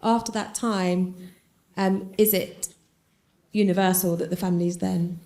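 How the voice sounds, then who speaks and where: A woman in the audience asking a question hesitantly, pausing with many fillers. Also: lowish voice, steady tone, mellow.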